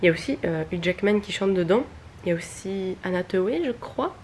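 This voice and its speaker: A woman's voice: mid-range voice, expressive, a little fast, darkish tone, slight background noise. A young woman chatting casually in a home vlog, rambling with many fillers and restarts. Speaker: vlogger.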